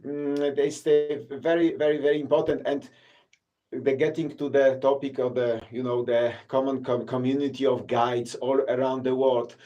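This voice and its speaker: A man from Poland speaks English with a Polish accent, chatting with viewers of his stream. He searches for words, restarting sentences and filling gaps with "uh". His voice sits at a middle pitch for a man. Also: flat delivery, warm tone, muffled recording, faint music behind. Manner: halting, many fillers and restarts, non-native grammar. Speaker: city tour guide and vlogger. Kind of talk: casual live-stream chat with viewers.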